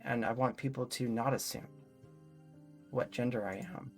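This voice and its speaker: A woman chatting casually and personally as a co-host, in a halting, reflective way with frequent pauses. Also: extremely low pitch, steady tone, a little mellow, faint music behind. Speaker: co-host answering audience questions.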